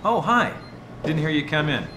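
Game role: man playing friendly, awkward young researcher, fairly high voice, noisy room. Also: lively intonation, normal speed, close to an everyday voice. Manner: hesitant, informal. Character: mild, awkward, friendly male research student. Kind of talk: naturalistic video game voice acting. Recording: echoey room with background hum.

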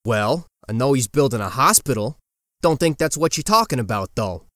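A man's voice: medium pitch, lively intonation, moderate pace, a bit bright, no room sound, studio quality, natural voice. A man playing a streetwise, sardonic teenage boy in a colloquial audio drama style. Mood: offhand. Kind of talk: casual, colloquial fan audio drama acting.

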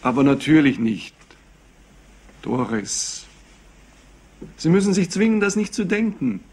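An actor playing a solicitous company confidant in a crime drama, reassuring and insistent. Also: male voice, fairly high pitch, very animated, a little slow, a little mellow, slightly rough, full character voice. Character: solicitous, smooth-talking male company confidant. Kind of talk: German crime drama acting.

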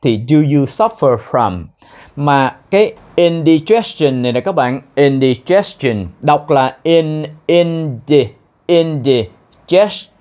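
A young man teaching spoken English in a casual way, explaining phrases and repeating words slowly so learners can copy them. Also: a little high, a little mellow.

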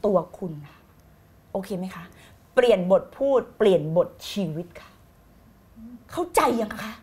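A woman teaching the law of attraction on a live stream, energetic and emphatic, repeating key phrases and slipping in English words. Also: mid-range voice, measured pace. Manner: mixes in English words, blunt slang.

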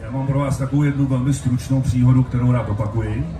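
A middle-aged man with an average-pitched voice addresses an outdoor event. His amplified voice is distant and roomy, over clear noise. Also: steady tone, mellow. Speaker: festival speaker. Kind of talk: short anecdotal public speech. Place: open-air covered festival stage. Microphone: stand mic through PA, recorded from audience. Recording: noisy, echoey stage PA from far off.

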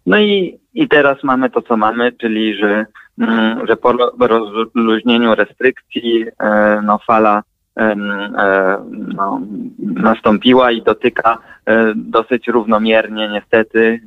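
A man's voice: fairly low pitch, fairly even intonation, slow pace, dry recording. Hesitant man on a tinny phone line. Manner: hesitant, many fillers and restarts. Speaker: guest mathematician and analyst. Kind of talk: radio interview over the phone.

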